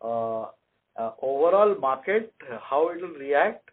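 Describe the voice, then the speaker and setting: A man speaking as a company executive on an earnings call, explaining to analysts in a measured, methodical way over a conference line. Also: a little high, very animated, phone-quality sound.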